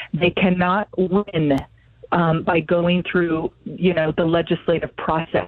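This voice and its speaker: The speaker is a woman whose pitch sits fairly low. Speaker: pro-life clinic spokesperson, radio guest. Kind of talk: radio interview on politics. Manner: earnest, emphatic, indignant.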